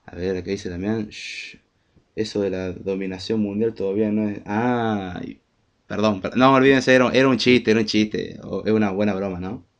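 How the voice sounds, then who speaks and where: A man's voice: on the low side, steady tone, moderate pace. A man with a Rioplatense Spanish accent and a congested, head-cold voice, hosting a casual live podcast in a jokey, informal way. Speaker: podcast host.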